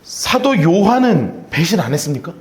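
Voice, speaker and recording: Animated high-voiced preaching pastor. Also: male voice, normal speed. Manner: animated preaching, acting out Bible dialogue and leading call-and-response. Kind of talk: sermon. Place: church sanctuary. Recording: echoey church sanctuary.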